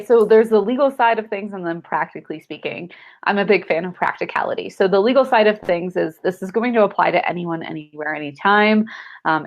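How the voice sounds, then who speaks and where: A congested woman speaking as a guest attorney in a casual video chat interview, friendly and quick to laugh. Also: fairly low pitch, gravelly. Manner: friendly, laughs often, many ums. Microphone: video call. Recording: lo-fi video call audio.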